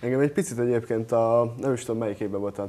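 A man speaks with fairly even intonation. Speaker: drummer; talk show guest. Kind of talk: casual sports talk. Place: studio. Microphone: lapel.

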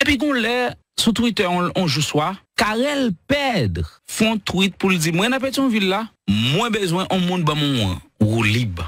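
Against a quiet background, a man with a high pitch talks at a fairly slow pace with very wide pitch swings, the sound dry with no echo. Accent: Haitian. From Haiti. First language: Haitian Creole (speaking French). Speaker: radio host. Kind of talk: interview. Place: studio. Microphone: studio mic.

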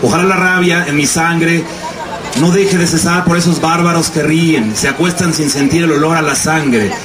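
Shouting at a moderate pace, a man uses a high pitch with ordinary variation and a solemn tone. Noticeable background noise can be heard. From Mexico. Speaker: poet and filmmaker. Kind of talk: poem performed with intense, declamatory delivery. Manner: impassioned, solemn, rising to a defiant shout. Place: street.

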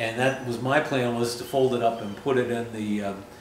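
The recording of this man has audible room echo and light background noise. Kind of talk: casual tutorial explanation. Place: garage. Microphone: camera far.

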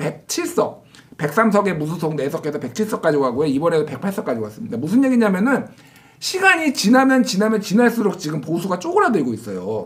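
At a moderate pace, a man speaks with a high pitch that swings very widely. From South Korea. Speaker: political commentator. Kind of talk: political panel discussion. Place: studio. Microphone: studio mic.

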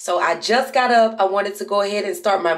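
A woman at a moderate pace over a quiet background. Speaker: lifestyle vlogger. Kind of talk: casual vlog chat. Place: bathroom. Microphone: phone near.

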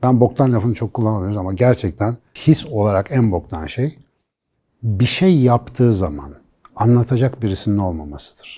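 A man speaks with a dark, mellow tone and lively intonation, sounding somewhat breathy. The background is quiet. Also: moderate pace. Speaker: podcast co-host, academic. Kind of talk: casual chat. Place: studio. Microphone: lapel.

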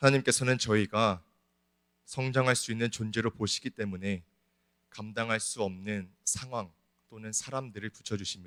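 The man's pitch is medium and his intonation fairly even. He keeps a moderate pace with long, frequent pauses. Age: 20s. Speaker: junior pastor. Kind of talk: sermon. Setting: church.

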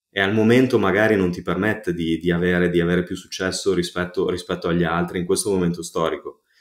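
A man with a very deep, low pitch speaks at a very fast pace. His intonation is fairly even, and the background is quiet. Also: hardly any pauses. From Italy, Carpi (Emilia-Romagna); Emilia-Romagna, Italy. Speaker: marketing and startup executive; podcast guest. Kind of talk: interview. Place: home room.

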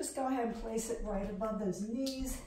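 Audible room echo and light background noise accompany a woman with a fairly high pitch who speaks at a moderate pace with ordinary pitch variation. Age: 60s. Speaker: fitness instructor. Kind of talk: workout instruction. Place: home room. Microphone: camera far.

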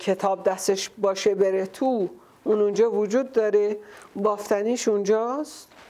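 In a Tehran accent, a woman speaks with a fairly high pitch and a dark, mellow tone. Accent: Tehran Persian. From Tehran, Iran. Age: 80s+. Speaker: actress, radio presenter and dubbing artist. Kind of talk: interview answer. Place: home room.

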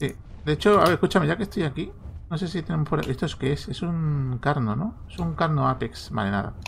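Light background noise sits behind a man with a fairly high pitch and lively intonation. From Spain. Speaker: gaming YouTuber. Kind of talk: gameplay commentary. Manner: animated; fast. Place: home room.

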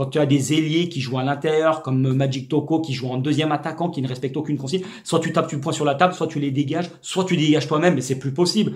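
A man with a fairly high pitch talks at a very fast pace with hardly any pauses. His intonation stays fairly even over a quiet background. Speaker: football fan channel host. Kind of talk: angry rant, football debrief. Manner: furious, exasperated, sarcastic, loud, exclamatory; colloquial, theatrical, mocking, insult-laden. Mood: frustrated, sarcastic.

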